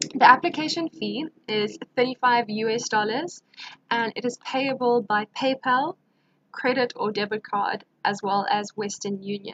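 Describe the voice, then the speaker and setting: A woman with an ordinary speaking voice talks at a fairly slow pace in a fairly high pitch with ordinary variation, the sound dry and close with no echo. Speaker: youth organisation representative. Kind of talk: webinar presentation.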